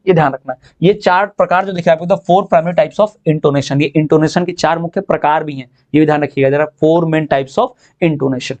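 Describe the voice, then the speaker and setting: A man teaching an exam-prep lesson, explaining in Hindi and reading English definitions slowly. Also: on the high side, darkish tone, lo-fi sound.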